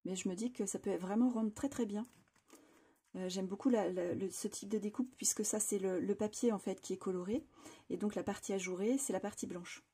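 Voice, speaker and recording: Mellow husky woman chatting. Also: mid-range voice, a little fast. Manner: chatty, enthusiastic, frequent fillers and restarts. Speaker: craft channel host. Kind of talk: casual product haul presentation. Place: home craft room.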